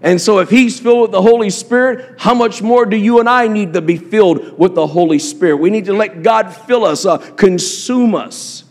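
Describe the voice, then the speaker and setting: A man delivers a sermon in a church, pressing his points again and again with fillers and restarts. His voice sits fairly high for a man. The church hall rings with a long reverb around him. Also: moderate pace, hardly any pauses. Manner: impassioned, repetitive preaching with frequent fillers. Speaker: pastor.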